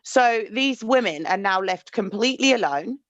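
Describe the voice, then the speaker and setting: A woman's voice: mid-range voice, lively intonation, moderate pace, fairly bright tone, no room sound. A woman talking in a heartfelt, emotional way as a podcast host in casual chat. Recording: dry, dull lo-fi audio.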